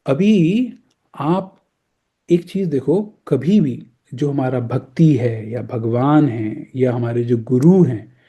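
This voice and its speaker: Husky, warm-voiced man teaching scripture. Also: mid-range voice, highs cut off. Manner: explains slowly, often repeating phrases and asking himself questions; chants verses slowly. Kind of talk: verse-by-verse scripture lesson. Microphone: online video call.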